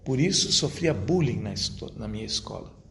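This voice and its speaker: Give me a male lecturer, speaking measured and rhetorical in a reverberant room. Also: fairly low pitch, animated. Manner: measured, rhetorical, addresses the audience directly. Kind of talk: academic lecture to an audience. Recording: roomy echo, faint background noise.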